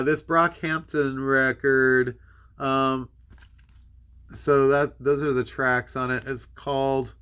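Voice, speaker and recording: A man's voice: mid-range voice, pushed and bright, clean tone. A man hosting a casual, rambling music release rundown, congested and tired-voiced, speaking in conversational asides. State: tired voice giving out. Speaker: host of a music new-release show.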